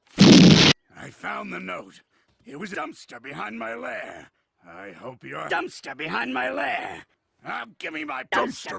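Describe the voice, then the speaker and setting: A man puts on a cartoonish character voice, raspy and at medium pitch. He talks at a fairly slow pace. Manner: blustering.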